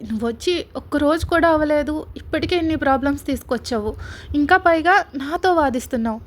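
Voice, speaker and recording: A woman's voice: high-pitched, quick pace, voice pushed up, lightly acted. A woman voicing a short-tempered young male boss. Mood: scolding. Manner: scolding, impatient.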